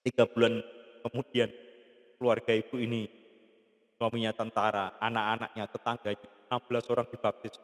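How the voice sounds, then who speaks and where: A pastor preaching a sermon in a large church hall, telling a story and acting out its dialogue in a lively way. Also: male voice, mid-range voice, a little fast. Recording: long church reverb.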